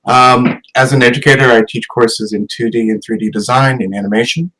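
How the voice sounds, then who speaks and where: A middle-aged man from Massachusetts, an educator presenting a talk with slides, hesitant and filling pauses with many ums. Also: mid-range voice, fairly even intonation, fairly bright tone, breathy edge, rough recording.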